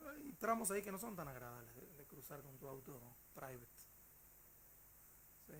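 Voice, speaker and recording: A male teacher with a Rioplatense Spanish accent, telling a story to his class in an animated way with hesitant fillers. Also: a little high, moderate pace, slight background noise.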